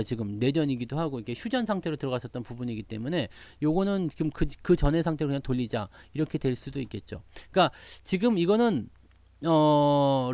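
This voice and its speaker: A man's voice: a little high, darkish tone, dry recording. A man giving casual stock market commentary, answering his live chat, acting out little quoted exchanges and laughing often. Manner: chatty, acts out quoted voices, laughs often.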